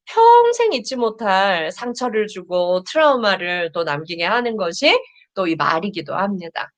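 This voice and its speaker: A middle-aged woman counselor giving a live-streamed lecture to viewers, warmly reading their chat messages aloud. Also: medium pitch, very animated, moderate pace.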